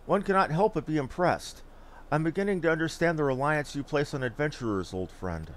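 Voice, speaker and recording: An ambitious, self-important villain from a fantasy game, played by a man. He speaks in grand archaic phrases with a theatrical, animated swing to his voice. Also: a little high, brisk, slight background noise. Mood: smug. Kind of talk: fantasy game dialogue read aloud.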